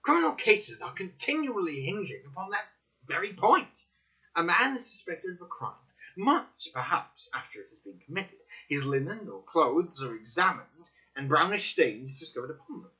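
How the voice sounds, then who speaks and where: A man voicing an eager, excitable young detective-scientist in a dramatic audiobook reading, boastful and theatrical with sweeping emphasis. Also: on the high side, moderate pace, pitched above the performer's own voice, exaggerated voice. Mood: excited, triumphant. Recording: dull, slightly lo-fi recording.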